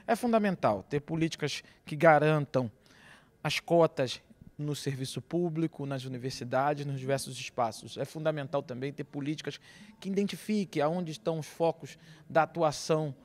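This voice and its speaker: A woman's voice: low voice, normal speed, darkish tone. A middle-aged woman lawyer answering an interview, emphatic and insistent as she lists demands, speaking into a handheld mic.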